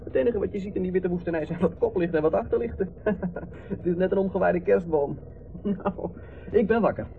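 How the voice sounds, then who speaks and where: An actor playing a talkative, good-natured, dreamy young drifter in a radio play, wry and rambling. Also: male voice, sits high, brisk, gravelly. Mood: breathless, excited. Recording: muffled, noisy old radio play recording.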